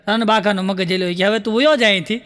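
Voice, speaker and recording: A man's voice: high-pitched, rapid-fire, fairly bright tone, in a large hall. A male comedian telling stage jokes in a punchy way, repeating the catchphrase.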